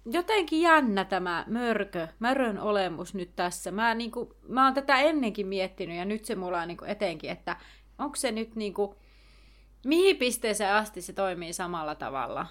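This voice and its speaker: A woman co-hosting a podcast, casually retelling a book chapter in a chatty way full of fillers. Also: medium pitch. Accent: Finnish. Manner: chatty, many fillers, lively summarizing. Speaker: podcast co-host.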